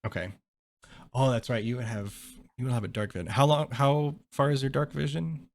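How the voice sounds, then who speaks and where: A man's voice: medium pitch, fairly even intonation, a little fast, vocal fry. A man narrating a tabletop game as game master in a casual, hesitant and explanatory way.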